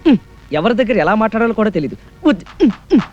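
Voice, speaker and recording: A cheeky, bumbling young tailor from a comic film scene, fawning and overly polite, rattles his lines off quickly. He keeps pestering and apologizing in the same breath. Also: high voice, big pitch swings, a little mellow, highs cut off, faint music behind.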